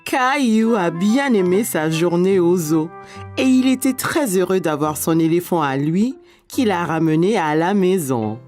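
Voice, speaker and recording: A woman reading scripted narration for young children in a gentle storybook manner. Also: on the low side, animated, unhurried, soft background music.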